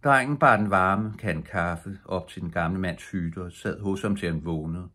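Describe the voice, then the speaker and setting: An older man reading a bedtime story aloud as an audiobook narrator, calm and steady, with a husky voice. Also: low voice. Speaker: audiobook reader.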